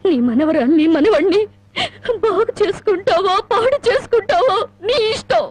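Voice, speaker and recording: Bitter, wronged young wife. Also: female voice, very high-pitched, very animated, fairly quick. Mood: despairing. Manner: sharp sarcastic reproach, tearful at times. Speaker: film actress. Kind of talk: melodramatic film acting. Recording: film soundtrack with loud score.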